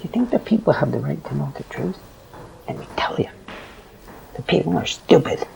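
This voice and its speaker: An actor playing a cynical, fearful newsroom worker in an audio drama, cautioning and lecturing in a hushed manner. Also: male voice, a little high, animated, normal speed, creaky, a little hiss or hum, rough recording. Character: cynical, fearful male newsroom worker who obeys management.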